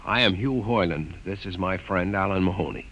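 Earnest young cadet, husky mid-pitched voice, old radio drama. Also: male voice, a little fast, fairly bright tone. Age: young adult. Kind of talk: 1950s radio drama acting.

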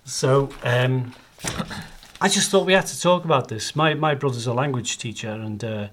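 Scouse male podcast host, mid-pitched, joking and self-deprecating, lots of ums in a loose chat. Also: normal speed, fairly bright tone. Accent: Liverpool Scouse. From Liverpool, England. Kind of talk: casual chat.

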